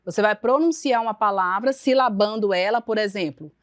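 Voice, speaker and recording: A woman's voice: medium pitch, a little fast, no echo, clean studio sound. A woman teacher giving a recorded online lecture with a Brazilian Portuguese accent, explaining step by step with frequent tag questions and restarts.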